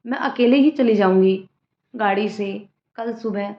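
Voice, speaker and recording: A woman voicing a young divorced woman who speaks in a soft, earnest and resolute way. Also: medium pitch, unhurried, close to an everyday voice. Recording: roomy lo-fi room sound.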